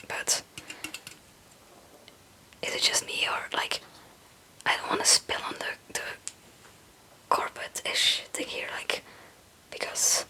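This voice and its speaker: A young woman from Belgium, a non-native English speaker, whispering a casual, hesitant and meandering ASMR chat in a breathy voice. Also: bright, forceful tone, poor audio. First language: not English. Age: young adult. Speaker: ASMR video creator.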